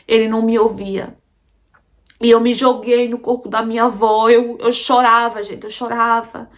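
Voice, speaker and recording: A woman's voice: on the high side, flat delivery, normal speed. A Brazilian woman narrating a dramatic first-person story, emotional and intense, often turning to her listeners directly. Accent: Brazilian Portuguese.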